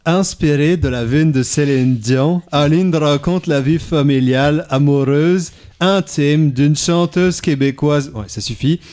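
A man on a podcast panel who reads a short summary and then talks hesitantly, with many pauses and fillers. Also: mid-range voice, warm tone. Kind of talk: casual podcast chat.

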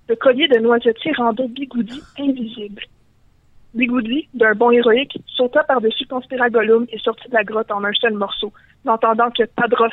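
A woman's voice: fairly high pitch, no room sound. A woman with a Quebec French accent reads a playful parody story aloud. Her voice comes through a tinny, dry phone line. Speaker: caller reading her story.

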